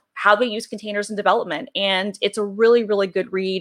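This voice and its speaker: A woman talks at a very fast pace in a fairly high-pitched voice. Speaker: tech news presenter. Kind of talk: news segment presenter.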